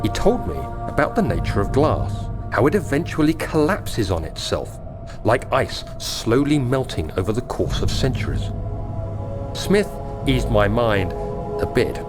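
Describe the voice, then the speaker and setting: An earnest young gentleman explorer in a horror video game, troubled and formal. The voice sits low but swings widely in pitch, with literary, introspective phrasing. Music plays behind it. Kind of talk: dramatic video game voice acting, journal narration.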